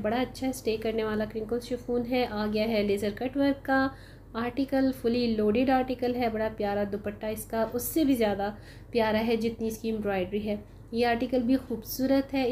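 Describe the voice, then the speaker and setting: A woman talks viewers through clothes on sale in a casual vlog voice-over, unhurried and sprinkled with fillers. Her voice sits a little high but sounds mellow and warm. Faint noise hums under the recording. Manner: chatty, unhurried, frequent "uh" fillers, addresses viewers as "janab" and "bhai". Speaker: shopping vlogger.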